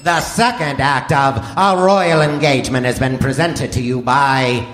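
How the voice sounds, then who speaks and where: A man's voice: mid-range voice, measured pace, music in the background, lightly acted. A man playing a grandiose old-time radio announcer in a live comedy show, showy and mock-grand. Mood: grand showmanship. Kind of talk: comic radio play announcing. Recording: noisy live theater stage recording.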